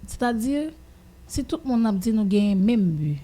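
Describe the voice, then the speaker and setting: A woman with a Haitian accent giving her opinion in a casual radio discussion, haltingly, often repeating phrases as she searches for words. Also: on the high side, very animated, warm tone.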